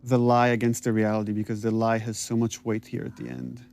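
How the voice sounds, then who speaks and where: A man giving thoughtful developer commentary, pausing and restarting as he explains his choices. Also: mid-range voice, flat delivery, gravelly, darkish tone. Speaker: game director giving commentary.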